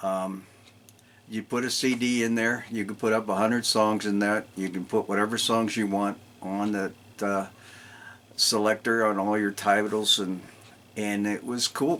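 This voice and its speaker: At a fairly low pitch, a man speaks at a moderate pace. His intonation is monotone and flat, broken by long, frequent pauses. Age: 70s. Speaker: product reviewer. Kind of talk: casual video review. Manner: halting, with fillers.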